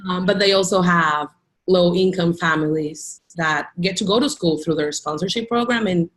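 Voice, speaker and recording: A young woman from the Dominican Republic talks about her teaching in a relaxed, chatty way. She fills her sentences with "like" and restarts often. Her voice sits a little low. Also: moderate pace. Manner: chatty, many "like" fillers and restarts. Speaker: teacher, interview guest. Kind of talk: casual video interview.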